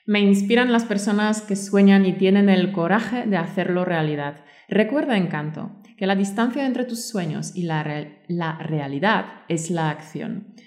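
A woman's voice: mid-range voice, unhurried, a little mellow, roomy sound. A woman hosting a language-learning podcast, speaking to listeners in an encouraging, motivational way and reading aloud. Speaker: podcast host and Spanish teacher.

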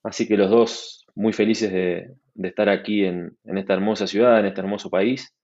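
An Argentine startup manager guests on a conversational interview, speaking Argentine Spanish in a relaxed, fluent way full of restarts and fillers. His voice is on the low side at normal speed, and the audio sounds dull.

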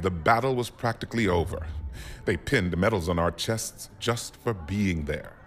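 An actor playing a self-doubting admiral in a science fiction audio drama, measured and bitterly self-deprecating. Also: male voice, deep voice. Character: self-doubting male admiral, career military bureaucrat. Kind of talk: dramatic acting.

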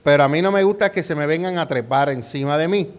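Male pastor, middle-aged, slightly high voice; conversational sermon full of rhetorical questions and Spanglish asides. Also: quick pace. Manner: peppers talk with rhetorical questions and "¿verdad?"; drops English words into Spanish. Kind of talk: conversational sermon with personal story.

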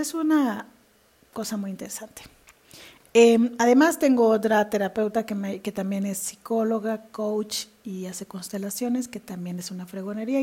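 A woman's voice: a little high, a little mellow. A woman with a Mexican Spanish accent hosting a podcast as an executive coach, talking in a chatty, confessional way and laughing often. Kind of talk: casual podcast monologue.

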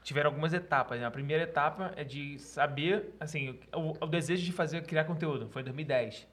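A man chatting casually as a podcast guest, telling stories in an animated, joking way. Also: fairly high pitch. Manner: fast, animated storytelling with laughs.

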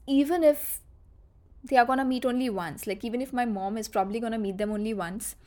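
A woman's voice: a little high, a little mellow. A woman in her thirties with a South Asian accent, reminiscing in a casual solo podcast with conversational, emphatic repetition. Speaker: podcast host.

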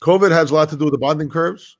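A man's voice: on the high side, quick pace. Blunt, profane man telling a story. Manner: many fillers and restarts. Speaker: podcast guest. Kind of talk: casual chat.

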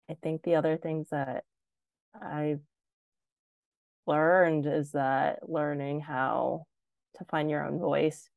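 Low, gravelly-voiced woman chatting. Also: darkish tone, no echo. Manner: chatty, heavy use of "like". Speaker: guest designer. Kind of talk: casual interview chat.

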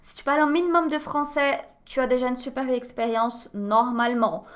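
A chatty woman from Brazil with a Brazilian Portuguese accent, her voice sitting a little higher than most. She talks expressively and often restarts her sentences as she goes, in a relaxed podcast chat. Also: fairly quick. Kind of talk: casual conversation.

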